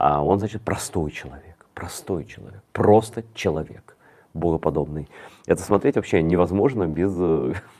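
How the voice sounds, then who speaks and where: A man speaks at a moderate pace with a very deep, low pitch. His loudness swings widely. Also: ordinary pitch variation. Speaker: commentator. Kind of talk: casual video commentary. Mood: sarcastic, scornful. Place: home room.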